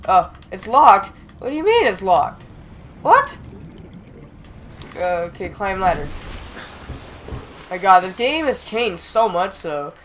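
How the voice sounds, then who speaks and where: Excitable young man, sick and raspy. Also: sits high, slow, pauses often, a little hiss or hum. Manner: chatty, excitable, talks to the game. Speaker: gaming channel host. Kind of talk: casual gameplay commentary.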